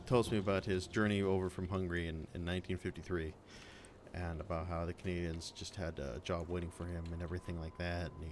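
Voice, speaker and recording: A man's voice: low voice, a little hiss or hum. A young man telling a rambling personal anecdote in a casual, conversational way as a let's play host, often quoting other people.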